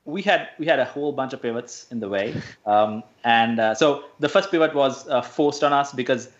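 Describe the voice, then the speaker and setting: A man's voice: medium pitch, moderate pace, muffled recording. A man from Sri Lanka, a guest on a radio interview, speaking hesitantly with many fillers and restarts.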